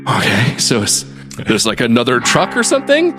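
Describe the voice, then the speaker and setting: Animated exasperated man telling a story. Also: mid-range voice, moderate pace, music in the background. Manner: animated, exasperated, swears, acts out other people's lines. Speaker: podcast co-host. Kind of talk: animated storytelling in casual podcast chat.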